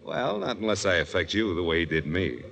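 Brash flirty crook, very low voice, slangy wisecracks, 1940s radio drama, faint noise. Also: male voice, sing-song, a little fast, vocal fry, a bit bright, full character voice. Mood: flirtatious. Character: brash, flirtatious man on a train, secretly a crook. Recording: noisy old 1940s radio recording.

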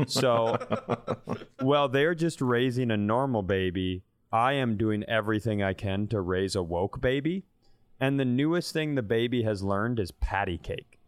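A man's voice: mid-range voice, measured pace, dry recording, studio quality. A man co-hosting a comedy podcast, telling casual stories in an irreverent, profane way.

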